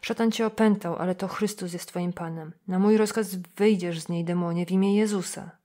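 Kobieta odgrywająca fanatycznego kapłana, który uroczyście i rozkazująco wygłasza słowa egzorcyzmu. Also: female voice, lowish voice, steady tone, a little fast, warm tone, close to an everyday voice. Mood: preaching. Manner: solemn, declaiming. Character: fanatical male priest, commanding exorcist.

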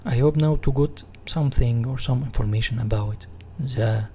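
Male instructor, Egyptian Arabic accent, mellow tone, explanatory tutorial read, some background noise. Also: medium pitch, normal speed. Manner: repeats and rephrases in non-native English. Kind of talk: software tutorial reading slides and explaining.

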